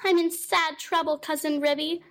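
A woman voicing a tearful, fussy mother cat in a storybook reading, her voice pitched up high and wailing. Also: little pitch movement, moderate pace, a bit bright. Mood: distressed.

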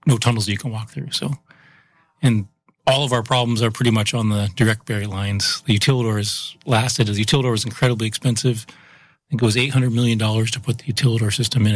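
A man who runs a town's water and sewer crews, talking through how the system works in a relaxed interview. He speaks plainly, often trailing off with "so" and "yep". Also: fairly low pitch, a little fast, slightly rough. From Massachusetts, US. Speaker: utilities chief of operations. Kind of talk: casual interview.

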